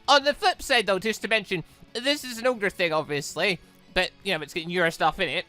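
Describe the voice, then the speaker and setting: Chatty gamer rambling thru a lets play, bright voice, music playing behind. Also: mid-range voice, fast talker. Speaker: gaming YouTuber, host. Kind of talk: casual let's play commentary.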